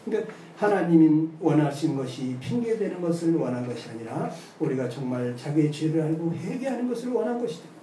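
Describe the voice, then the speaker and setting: A man pastor preaching a sermon, telling stories in a lively way and acting out the voices of the people in them, with frequent asides to the congregation. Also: fairly high pitch, a little fast, hardly any pauses. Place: church hall. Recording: roomy church sound from a distant mic with faint noise.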